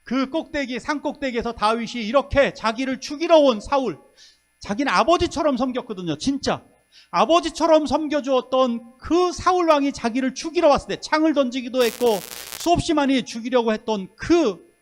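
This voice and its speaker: Animated high-voiced male pastor. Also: moderate pace. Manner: lively storytelling sermon, acting out quoted voices. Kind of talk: sermon.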